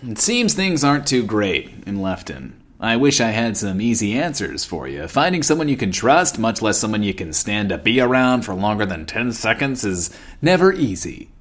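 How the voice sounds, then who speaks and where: An actor playing a wry, world-weary radio advice host in a post-apocalyptic comedy audio drama. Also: male voice, lowish voice, sing-song, normal speed, hardly any pauses. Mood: wry, sombre. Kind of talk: scripted radio host monologue.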